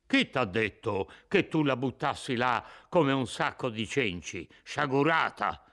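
A man reading aloud voices a feared, stern nobleman who commands loudly and harshly. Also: mid-range voice, sing-song, slow. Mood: angry, scornful. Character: stern feared nobleman, wrathful but softening.

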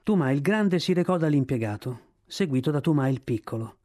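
A man reading a novel aloud in steady, measured narration. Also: fairly high pitch. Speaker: reader.

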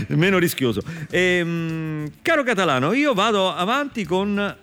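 A man's voice: sits high, animated, takes it slowly. A man hosting a live radio show, introducing his guest and chatting with him in a friendly, joking way. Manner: warm, chatty, jokes with the guest. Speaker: radio host. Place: radio studio. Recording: music bed playing faintly behind.

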